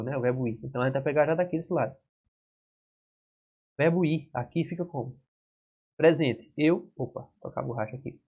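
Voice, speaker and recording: Male Brazilian prep teacher, mid-pitched and husky, keeps asking "right?" as he explains. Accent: Brazilian Portuguese. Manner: explains step by step with frequent "certo?" and "né?" checks. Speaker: exam-prep Portuguese teacher. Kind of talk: whiteboard grammar lesson. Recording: dull lo-fi classroom recording.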